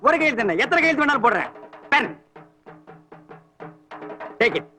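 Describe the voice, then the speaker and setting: A man's voice: very high-pitched, very animated, normal speed, sharp tone, heavily acted. An actor playing a boastful man who turns indignant, in a film comedy. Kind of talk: Tamil film comedy dialogue. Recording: film soundtrack with background music.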